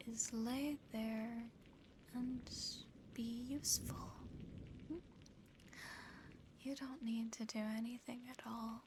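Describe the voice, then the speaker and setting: Woman acting as female demon, very slow breathy whisper, seductive, possessive, teasing, ASMR roleplay, close mic, faint background noise. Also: a little high. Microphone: close ASMR microphone.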